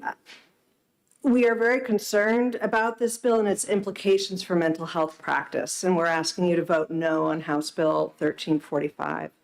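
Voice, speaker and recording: A woman social worker giving formal, earnest testimony to a legislative committee, speaking in a measured way in a hearing room. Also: on the low side, fairly even intonation.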